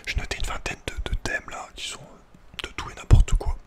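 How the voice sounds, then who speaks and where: Male ASMR host, fully whispered, casual and halting delivery, personal advice chat. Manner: hesitant, halting, informal. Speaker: ASMR video creator and host.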